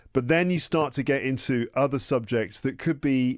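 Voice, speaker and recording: Someone speaks at a moderate pace with a British accent on a very clean recording with a silent background. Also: man. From Britain. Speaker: English teacher and podcaster. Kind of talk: casual interview chat.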